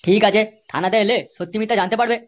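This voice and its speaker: A man voicing a gruff, threatening cartoon police officer with crude, bullying manner, in a pitched-up voice. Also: fairly even intonation, very fast, a little hiss or hum. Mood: stern.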